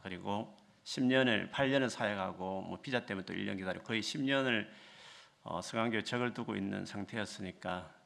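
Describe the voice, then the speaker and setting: A man's voice: fairly low pitch, creaky, fairly bright tone. A man in his fifties, a visiting missionary, greeting a church congregation in a chatty, self-deprecating way. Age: 50s. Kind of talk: sermon greeting.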